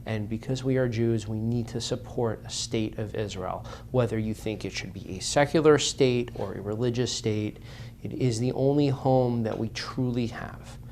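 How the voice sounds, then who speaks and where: A man's voice: mid-range voice, moderate pace, vocal fry, darkish tone, slight background noise. A man speaking as an interview guest, earnest and impassioned, repeating phrases for emphasis.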